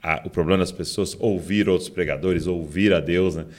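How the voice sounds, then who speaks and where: A man's voice: deep voice, fairly even intonation, moderate pace. A Brazilian man hosting a podcast, curious and chatty, often saying "cara". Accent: Brazilian Portuguese. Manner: curious, interjecting, says "cara" a lot. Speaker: podcast host. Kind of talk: podcast interview.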